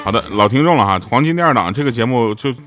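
Male comic host, playful and self-mocking, laughs through lines, mid-pitched voice, background music bed under him. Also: expressive, quick pace. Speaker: podcast host. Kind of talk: comedic podcast monologue.

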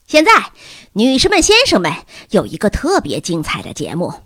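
Brief: loud, cocky boy emcee, big announcing voice; woman narrator putting it on. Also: huge pitch swings, moderate pace, husky, no echo, studio quality, full character voice. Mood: showy. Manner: booming showman announcing. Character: brash loud male show host, a schoolboy.

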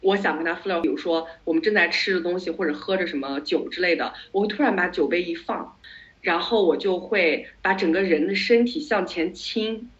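A woman's voice: lowish voice, brisk. A woman podcast host telling stories in a casual chat, dropping English words into her speech. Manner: animated storytelling, mixes in English words. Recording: slightly dull lo-fi audio.

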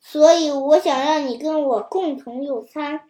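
A woman's voice: high voice, a little slow, dark tone. A woman reading a storybook who voices a sly, scheming old male lion with a wheedling, fake-friendly manner. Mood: fawning. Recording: roomy echo.

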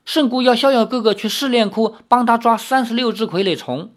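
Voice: medium pitch, fairly quick, voice pushed up, lightly acted. A reader voicing Anu, an impulsive, clingy young tribal girl, in a storybook audiobook. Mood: eager.

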